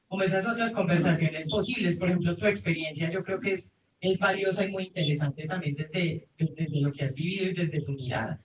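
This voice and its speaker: A man moderating a group conversation, thanking speakers and gently inviting others to speak. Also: sits high. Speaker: moderator of the circle. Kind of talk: hosting a group talk. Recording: roomy, far off the mic, faint noise.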